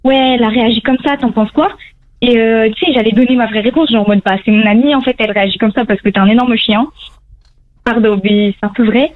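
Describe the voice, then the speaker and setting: A woman's voice: on the high side, steady tone, fast talker. A teenage girl calling into a radio show, telling her story in a chatty way, saying "genre" a lot. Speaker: caller. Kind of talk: phone call to radio show. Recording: dull phone line.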